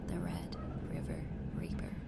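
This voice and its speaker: An actress playing a playful, self-promoting young true-crime vlogger in an audio drama. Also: female voice, measured pace, whispered, close to an everyday voice. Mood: showy, hushed.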